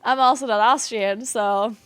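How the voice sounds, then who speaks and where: With a high, clear, resonant voice, a woman from South Tyrol, Italy, chats casually on a livestream in English, her second language, with a South Tyrolean accent. She's a game streamer and esports caster who giggles and laughs often, keeping a steady tone and measured pace. The recording is dry, with very little room echo.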